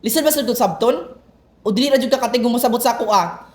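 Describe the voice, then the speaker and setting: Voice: mid-range voice, fast talker, lightly acted. A performer playing a sullen, defiant young gay son in an amateur radio drama, snappy and emotional. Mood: angry, pleading. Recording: echoey room.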